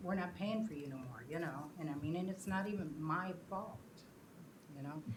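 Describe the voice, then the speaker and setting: With audible room echo, a woman speaks at a moderate pace in a fairly low, somewhat breathy voice with ordinary pitch variation. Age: 70s. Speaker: resident giving public comment. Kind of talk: public comment at council meeting. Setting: council chambers.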